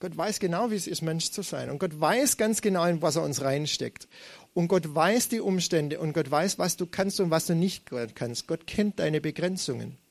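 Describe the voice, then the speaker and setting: A young male preacher gives a chatty, animated sermon at normal speed, frequently slipping into quoted voices. His creaky voice sits a bit high for a man, and the close, dry recording has almost no room sound.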